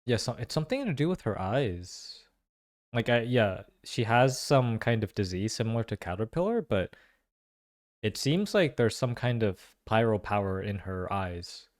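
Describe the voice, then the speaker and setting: A man hosting a casual reaction video, thinking aloud in slangy, excitable commentary. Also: fairly low pitch, normal speed. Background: faint music.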